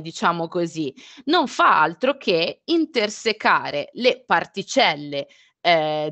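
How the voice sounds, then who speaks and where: Slow-talking woman, hesitant, many fillers. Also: fairly low pitch, a bit bright, dry recording. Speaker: presenter of a software tutorial. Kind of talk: live webinar explanation with screen demo.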